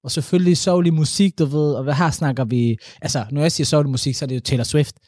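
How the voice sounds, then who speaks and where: A young man in casual podcast chat, telling stories in an animated, slangy way with a lot of swearing. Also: a little high, no echo, studio quality. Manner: animated, slangy storytelling with frequent swearing and laughing.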